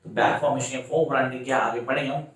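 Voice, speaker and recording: A male tutor with an Indian English accent giving a brisk exam-prep lecture, talking straight to his students and answering his own questions. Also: medium pitch, fairly even intonation, fairly bright tone. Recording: very echoey room, voice far from mic.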